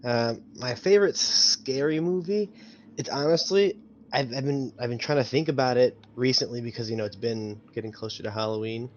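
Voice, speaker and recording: A man talking casually as a gaming podcast player, halting as he thinks aloud, with dry humor. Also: medium pitch. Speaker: tabletop game player. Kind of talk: casual, reflective chat. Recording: dull lo-fi audio, faint noise.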